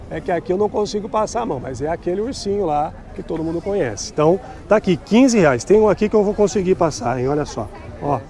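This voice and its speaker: A middle-aged Brazilian man with a high, mellow voice vlogs his way through a night street market. He chats up vendors about prices and promotes the clothes in an upbeat sales walkthrough.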